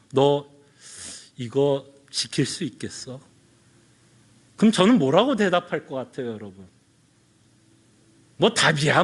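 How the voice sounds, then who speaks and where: A male pastor preaching a sermon to his congregation, asking them questions and voicing God's replies in a quieter, lower tone. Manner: asks the congregation questions, voices God in quiet lowered tones. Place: church sanctuary.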